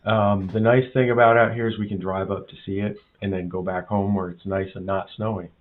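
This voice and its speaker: A man chats casually in a lowish voice. The sound is thin and narrow, like a telephone line. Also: flat delivery, a little fast. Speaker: panelist. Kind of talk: casual chat.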